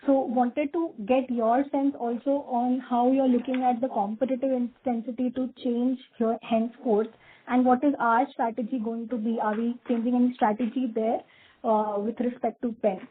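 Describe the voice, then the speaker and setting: High-voiced woman on a noisy phone line. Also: little pitch movement, normal speed. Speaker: analyst questioner on an earnings call. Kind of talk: business question-and-answer. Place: conference call over phone. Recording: phone line with clear hiss and clicks.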